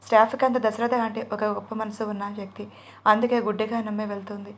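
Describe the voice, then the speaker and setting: Female storyteller, flat monotone narration, steady audio-story reading. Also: mid-range voice, brisk. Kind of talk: scripted narration.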